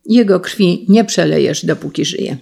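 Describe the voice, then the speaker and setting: A reader voicing a desperate young princess pleading with her father, in a husky voice. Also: medium pitch, measured pace, dark tone, exaggerated voice. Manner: pleading, emotional.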